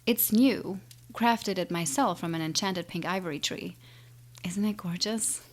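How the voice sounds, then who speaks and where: A woman's voice: lowish voice, unhurried. A woman playing an ancient, menacing siren in an audio drama, taunting and condescending with a theatrical drawl. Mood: intrigued, gloating. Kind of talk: audio drama villain acting.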